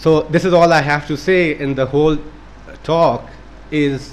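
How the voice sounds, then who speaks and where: Noticeable background noise runs through the clip. A man talks, his pitch varying in an ordinary way. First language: not English. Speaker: academic speaker. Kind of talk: lecture. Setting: seminar room with audience. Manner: formal.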